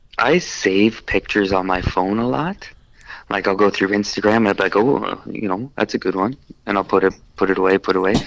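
The man has an ordinary speaking voice with a fairly low pitch. He talks at a fairly quick pace with ordinary pitch variation. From Ontario, Canada. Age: 30s. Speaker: artist. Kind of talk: casual chat. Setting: studio.

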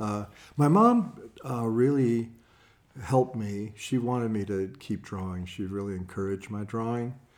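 With an American accent, a man speaks in a normal speaking voice at medium pitch, with fairly even intonation and a moderate pace. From Michigan, Detroit suburbs. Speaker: newspaper cartoonist and artist. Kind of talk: interview conversation.

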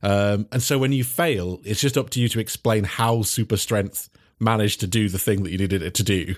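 At a fairly quick pace, a man with an English accent speaks at a fairly low pitch with ordinary pitch variation on a very clean recording with a silent background. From Britain. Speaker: tabletop game podcast co-host. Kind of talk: casual chat and role-play.

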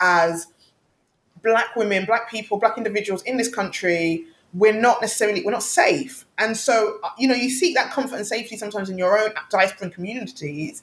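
Speaking at a moderate pace, a woman uses a fairly high, somewhat breathy voice with lively intonation. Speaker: PR professional. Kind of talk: casual interview chat.

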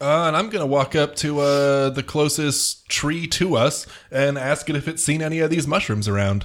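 Recorded very cleanly against a silent background, a man with an ordinary speaking voice talks at a moderate pace and fairly high pitch, with ordinary pitch variation and hardly any pauses. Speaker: podcast co-host, player. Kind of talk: tabletop roleplaying game session, casual.

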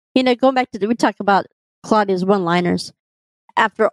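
In a dry, close sound with no echo, a woman speaks at a fairly high pitch with ordinary pitch variation. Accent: American. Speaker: co-host. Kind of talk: casual podcast chat.

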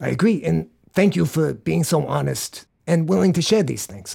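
Speaking at a moderate pace and a medium pitch, a man with a dark, mellow tone and vocal fry shows very wide pitch swings and big swings in loudness. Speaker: podcast host. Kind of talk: interview with news commentary. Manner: joking, teasing.

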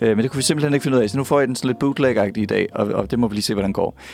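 With music in the background, the man's speech shows ordinary pitch variation. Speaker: student radio host. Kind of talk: casual chat. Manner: hesitant, many filler words.

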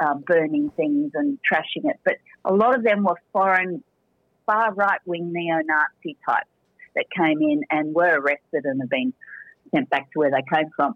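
An Australian-accented woman at medium pitch, fairly slow, with very wide pitch swings. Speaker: business owner. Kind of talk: radio interview.

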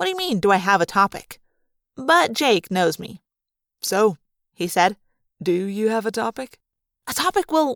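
Behind the voice, the background stays quiet. The delivery is plain reading aloud.

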